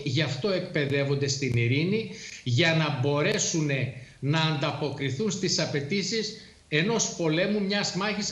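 A middle-aged man, a former air force pilot, explaining things in a measured way with frequent hesitations on a studio talk show. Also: a little high, fairly bright tone, roomy sound.

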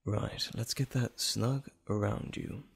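A man's voice: fairly low pitch, steady tone, slow, vocal fry, husky, full character voice. A man playing an anxious, caring doctor in an audio drama, earnest and soothing.

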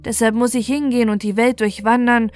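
A woman voicing a proud young boy in a fairy tale, with sharp, emphatic delivery. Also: a little high, steady tone, fairly quick, natural voice. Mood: troubled, remorseful. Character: proud, cruel, scornful young boy, later remorseful.

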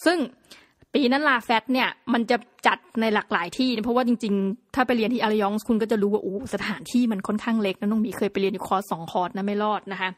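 A woman hosting a podcast, telling chatty and playful stories with lively exclamations. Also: mid-range voice, quick pace, dry recording, clean studio sound. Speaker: podcast host. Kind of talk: casual solo podcast talk.

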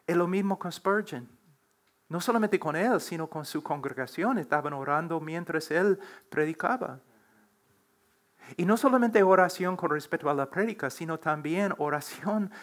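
Slow, earnest man preaching on a panel. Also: fairly high pitch. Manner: slow, earnest, preacherly, building to emphatic exhortation. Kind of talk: answering questions on a church panel. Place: church platform, seated before a large wooden cross.

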